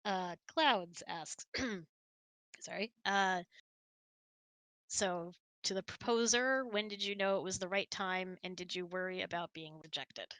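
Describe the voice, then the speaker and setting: A woman's voice: lowish voice, slow, a bit bright, no echo. A woman hosting a casual question-and-answer chat in an informal, giggly, chatty way. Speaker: host.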